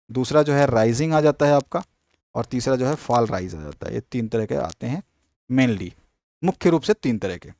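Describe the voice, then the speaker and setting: A man teaching an exam-prep lesson in Hindi, reading English definitions out slowly and often repeating small filler phrases. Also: on the high side, dry recording.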